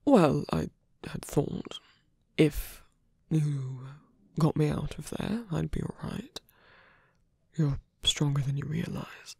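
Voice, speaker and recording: Very close and dry, a man acts out a wounded, gentlemanly villain in an ASMR audio roleplay. The voice is breathy with a gravelly creak, often fading to a whisper. He speaks slowly, politely and haltingly, weakened yet tender and wry. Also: fairly high pitch, dry recording, full character voice. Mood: tender, hesitant. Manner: hesitant, halting, polite and formal. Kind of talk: intimate ASMR roleplay acting.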